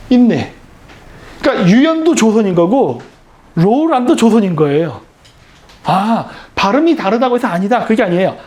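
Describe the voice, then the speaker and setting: Lively lecturing man. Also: high voice. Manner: rhetorical questions answered himself; explanatory, emphatic. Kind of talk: history lecture.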